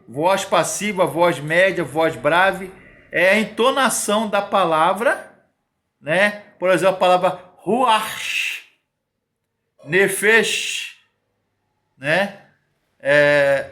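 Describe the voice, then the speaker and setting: A man's voice: on the high side, pushed and bright. A man in his fifties giving an informal Bible teaching, emphatic and repetitive, often digressing and adding tag questions. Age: 50s.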